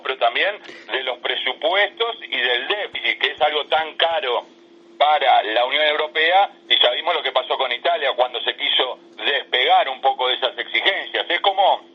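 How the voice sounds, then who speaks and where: A male radio interviewer with a husky, breathy voice speaks fluently and steadily. The sound is dull and muffled, like a phone line. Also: medium pitch, animated, moderate pace.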